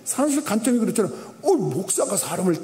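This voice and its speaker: Male pastor, middle-aged, colloquial storyteller; high mellow voice, roomy echoing sanctuary. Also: quick pace. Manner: colloquial, animated storytelling with acted-out asides. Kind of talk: sermon. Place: church sanctuary. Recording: echoey hall reverb.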